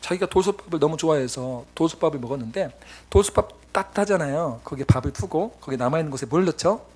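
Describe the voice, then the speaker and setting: A man preaching a sermon as a missionary, telling stories in a lively way and acting out his friends' voices. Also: on the high side, fast talker, husky. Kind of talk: sermon with storytelling. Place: church sanctuary.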